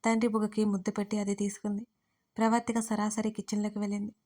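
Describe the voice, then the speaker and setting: A woman reads a family story aloud in a gentle, steady storytelling voice. Her pitch sits in the middle of the range and barely rises or falls. The delivery stays calm and level throughout. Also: fast talker. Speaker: audiobook narrator. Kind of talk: scripted storytelling narration.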